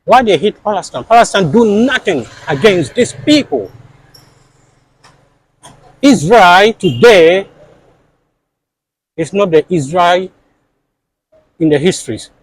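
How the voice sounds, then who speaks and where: A man's voice: high-pitched, expressive, takes it slowly, pauses often, husky, poor audio. A man being interviewed, speaking in an impassioned, insistent way and repeating his points for emphasis.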